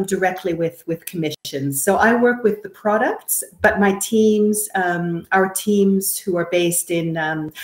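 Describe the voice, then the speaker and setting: A woman from Canada speaking as an expert guest, giving measured, careful explanations in an interview. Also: on the low side. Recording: roomy, echoey sound.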